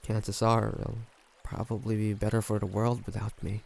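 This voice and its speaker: A man voicing a brooding, gentle ancient vampire in an intimate audio roleplay, speaking haltingly and pensively. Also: fairly low pitch, monotone, creaky, slight background noise. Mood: fearful, resigned. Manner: halting, soft-spoken, pensive with sighs.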